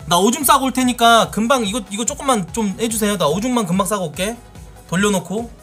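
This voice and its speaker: Excitable high-voiced man streaming games. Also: brisk, soft background music. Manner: excitable, swears and yells at the game. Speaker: live streamer. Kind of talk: casual live-stream gameplay commentary.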